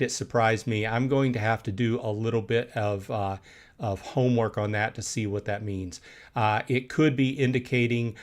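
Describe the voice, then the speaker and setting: A middle-aged man hosting a casual live stream, reading chat aloud with many fillers and pauses, clearing his throat now and then. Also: mid-range voice. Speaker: streamer host.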